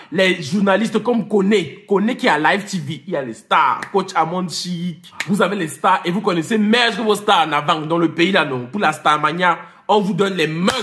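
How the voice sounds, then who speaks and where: With a sharp tone and high voice, this man rants comically at the camera in his vlog, needling his viewers. Names get repeated, English words slip in, and he laughs while he speaks.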